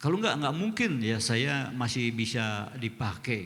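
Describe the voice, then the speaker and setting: A man speaks at a medium pitch. Room echo is audible around him. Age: 70s. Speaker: pastor. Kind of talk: sermon. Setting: church with congregation.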